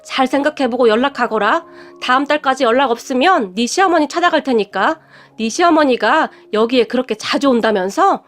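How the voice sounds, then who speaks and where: A woman's voice: high-pitched, lively intonation, a little fast, fairly bright tone. A woman reading a sneering greedy aunt. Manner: sneering, taunting. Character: greedy scheming middle-aged aunt. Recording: faint music behind.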